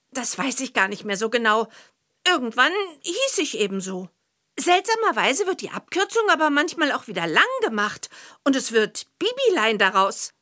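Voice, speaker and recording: A woman playing a cheerful young witch girl from a children's audio drama, chatting clearly as she answers questions. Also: high voice, sharp tone, exaggerated voice. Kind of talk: scripted children's audio drama character interview.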